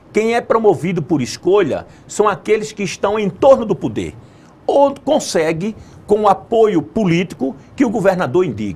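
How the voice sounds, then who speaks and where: A man's high voice, very wide pitch swings, and a moderate pace. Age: 60s. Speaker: military police colonel. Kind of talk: TV interview. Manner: animated.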